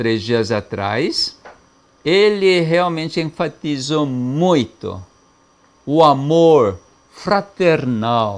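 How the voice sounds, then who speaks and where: Very slow and broken by long, frequent pauses, a man's fairly high voice makes very wide pitch swings. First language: not Portuguese (foreigner) (speaking Portuguese). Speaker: health program host. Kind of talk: health talk with reading aloud.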